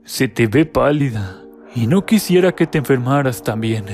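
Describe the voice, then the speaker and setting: A man's voice: mid-range voice, lively intonation, moderate pace, a little mellow, soft background music, natural voice. A man voicing a lecherous older man who speaks with false cheer and condescension, in a storybook reading. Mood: sly cheer. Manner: sly, patronizing.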